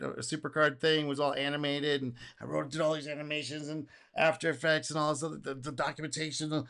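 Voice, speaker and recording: A man hosting a casual reaction video, speaking in an animated way, laughing and acting out quotes, his voice going a little hoarse. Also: on the high side. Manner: animated, exclaims and laughs, acts out customer quotes. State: getting hoarse.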